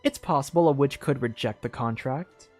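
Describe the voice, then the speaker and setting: Music accompanies a game streamer who narrates a story with storybook flair and expressive delivery, breaking off for casual asides. The pitch is medium and the pace moderate.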